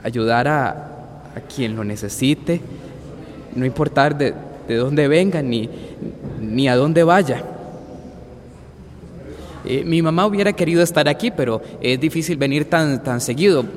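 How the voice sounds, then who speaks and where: A man's voice: on the high side, measured pace, pauses often, close to an everyday voice. Guy doing a young dude tripping over his words, lots of ums, long echo, faint hiss. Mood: nervous. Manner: hesitant, stumbling, lots of fillers. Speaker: grandson giving a thank-you speech.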